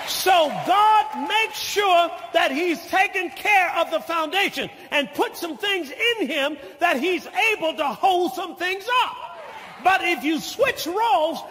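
An older male pastor with an unusually high, bright and forceful voice preaches in a slow, deliberate cadence. He rises to shouted passages and calls his congregation to say amen. The sound rings with the long reverb of a large church sanctuary. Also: slight background noise. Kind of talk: sermon.

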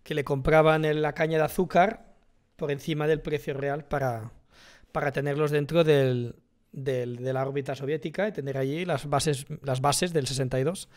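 A man's voice: fairly high pitch, steady tone, normal speed, darkish tone. A young man with a Spanish accent from Spain, streaming casual reaction commentary from a headset at home, interrupting with muttered asides and emphatic bursts. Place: small room at home.

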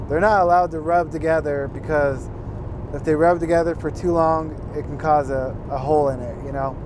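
Young male trucker, a touch high-pitched, earnest advice, filmed in a moving cab with clear road noise. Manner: earnest, repeats advice, addresses viewers as guys. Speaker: truck driver giving tips. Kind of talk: casual advice vlog. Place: inside a semi-truck cab while driving. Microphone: fixed dash camera. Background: road and engine noise.

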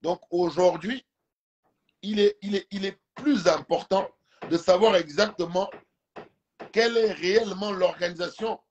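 A man from Gabon, a native Fang speaker, argues his point in a casual live video chat, speaking emphatically and stumbling over repeated words. His voice sits a little high for a man, and he talks into a phone held close while he lies on a couch at home. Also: measured pace, long pauses, a little mellow, lo-fi sound, a little hiss or hum. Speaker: live stream guest. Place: indoors, lying on a couch at home. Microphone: phone camera held close.

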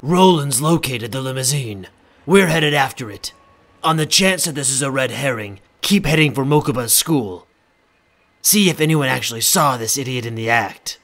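A man's voice: medium pitch, lively intonation, normal speed, fairly bright tone. An actor playing a curt, commanding businessman in an audio drama, speaking tersely. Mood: terse, controlled. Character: Seto, curt commanding businessman, tense older brother.

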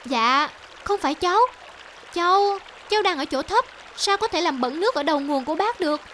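A woman's voice: high-pitched, expressive, fairly quick, bright, forceful tone, slight background noise. A woman voicing an innocent baby lamb in a cartoon, polite and hesitant, stammering timidly. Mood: frightened. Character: timid, innocent three-month-old lamb. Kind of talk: cartoon voice acting. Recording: music behind the voice.

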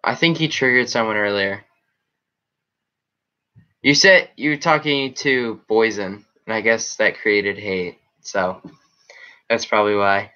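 A man's voice: fairly low pitch, a little slow, long pauses, pushed and bright, lo-fi sound. A teenage boy wearing a headset, casually rambling through his live chat in a small room with a green backdrop. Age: teens. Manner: rambling, chatty, reacting to comments. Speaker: livestream host reading chat.

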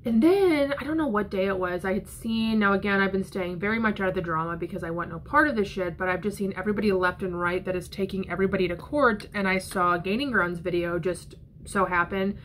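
A woman's voice: mid-range voice, brisk, few pauses, a bit bright, slight background noise, rough recording. A young woman in her twenties telling a story in a casual vlog from her living room, talking bluntly, swearing freely and using lots of fillers. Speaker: vlogger. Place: living room at home, indoors.

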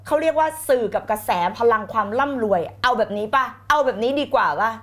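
A woman with a high, bright voice coaches her live-stream audience with fiery energy. She hammers her points home by repeating them and tosses in the odd English word and blunt slang. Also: fast. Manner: energetic and emphatic, repeats key phrases, urges viewers to shout back. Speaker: law of attraction coach. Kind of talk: live-streamed motivational teaching.

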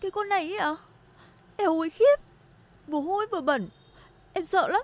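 A spoiled young wife who talks sweetly to her mother-in-law and whines at chores. Her voice is very high. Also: lively intonation, a little fast. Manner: sugary, whiny. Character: lazy, pampered young wife, coy and sweet. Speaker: daughter-in-law in a TV drama.

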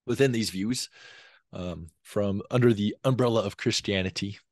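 A man's voice: fairly low pitch, a little mellow, no room sound. A young man with a lingering cough, a guest scholar explaining views step by step over a video call from a home study. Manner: measured, explains in steps with frequent ums. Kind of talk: explanatory interview talk. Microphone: video call with a desk mic.

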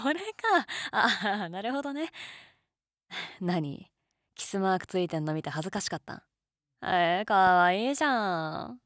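Low-voiced, teasing college girl played by a woman. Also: dry recording, clean studio sound, lightly acted. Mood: teasing, amused. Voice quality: low-toned. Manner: teasing, casual, gently coaxing. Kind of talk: intimate situation-voice role-play, casual chat.

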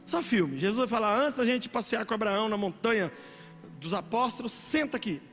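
Brazilian pastor, high bright voice, emotional sermon, echoing church hall, soft music underneath. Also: male voice, lively intonation, a little fast. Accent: Brazilian Portuguese. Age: middle-aged. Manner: dramatic, emotional preaching that swings from soft to shouting. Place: large church hall with a youth congregation. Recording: long hall reverb with music behind.

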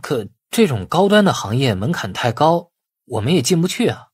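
A man's voice: mid-range voice, big pitch swings, moderate pace, breathy edge, no room sound, clean studio sound. A man voicing a shrewd, affable young businessman in an audiobook, polite and a little sheepish. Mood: gently persuasive.

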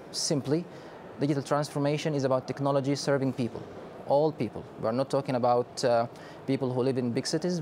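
A Sudanese man in his thirties gives a measured conference interview, pausing often with hesitations. His voice sits at a middle pitch for a man, and a faint hum of noise runs behind him. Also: darkish tone. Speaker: company director, interview guest. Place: exhibition booth studio set.

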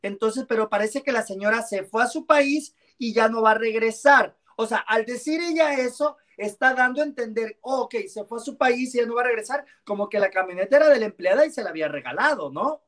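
Animated gossip-show host on a video call. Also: male voice, very high-pitched, brisk, hardly any pauses, far from the mic. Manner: animated and teasing, full of endearments. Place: home room on a video call.

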